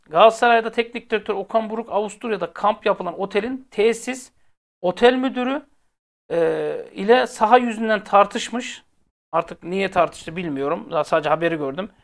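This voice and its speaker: A man hosting a football fan channel, ranting casually to viewers in a blunt, exasperated way and repeating phrases for emphasis. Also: high-pitched. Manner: speaks directly to viewers, blunt and heated.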